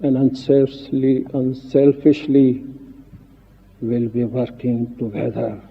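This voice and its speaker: A man giving a solemn devotional speech as a spiritual teacher, in halting short phrases with long pauses. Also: medium pitch, flat delivery, gravelly. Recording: muffled 1950s archive recording, reverberant hall, phone-like.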